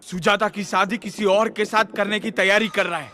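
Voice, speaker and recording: A man's voice: high-pitched, steady tone, moderate pace, sharp tone. An actor voicing a henchman urgently reporting news to his boss in a dubbed film.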